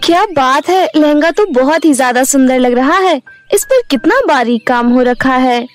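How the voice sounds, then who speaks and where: A woman voicing a modest young village girl who sews, in an animated storybook. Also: high-pitched, normal speed, faint music behind, natural voice. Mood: earnest. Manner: polite, modest and earnest. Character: sweet young village girl, humble seamstress. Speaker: voice-over artist.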